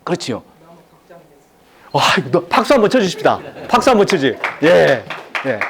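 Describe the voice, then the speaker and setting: A man's voice: on the high side, big pitch swings, moderate pace. A middle-aged man giving a live lecture to an audience, repeating key phrases and having them echo him back.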